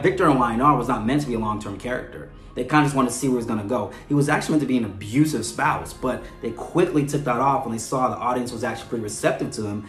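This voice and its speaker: A man hosting a fan show with conversational commentary, chatty and often checking in with a questioning tag at the end of his points. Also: medium pitch. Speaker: host of a soap opera fan show. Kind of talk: conversational character analysis commentary. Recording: roomy echo with music underneath. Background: background music.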